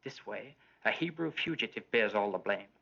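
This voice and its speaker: An actor voicing a sly, scheming assassin in an animated Bible drama, talking in a hushed, conspiratorial way. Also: male voice, lowish voice, moderate pace, creaky, slightly rough, heavily acted. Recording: dull lo-fi sound.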